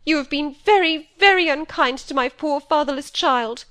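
A woman's voice: sits high, normal speed, fairly bright tone, voice pushed up. A woman voicing a self-pitying middle-aged stepmother with a plaintive, aggrieved manner.

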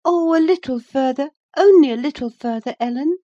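A woman voicing an excitable young lady, speaking high and pleading. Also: moderate pace, dull audio, natural voice. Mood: eager. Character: lively eager girl, young lady of the manor.

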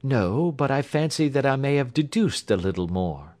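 A man voicing a sharp-minded male detective, speaking in a crisp, explanatory manner. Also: medium pitch, sing-song, normal speed, pitched above the performer's own voice, close to an everyday voice. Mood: intense. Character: Holmes, sharp reasoning male detective, adult.

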